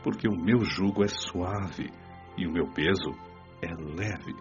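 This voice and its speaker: A Brazilian man playing a gentle, wise spirit mentor in an audiobook radio play, giving solemn, didactic counsel with measured dramatic pauses. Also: low-pitched. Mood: reverent. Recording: dull lo-fi audio with music behind. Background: music.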